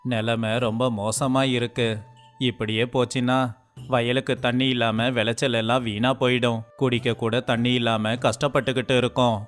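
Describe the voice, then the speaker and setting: Guy doing the village men in a story, normal pitch, bit of music under it. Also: level tone, normal speed. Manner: plays several village men in turn. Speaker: voice actor for story characters. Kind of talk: storybook dialogue acting. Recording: faint music behind.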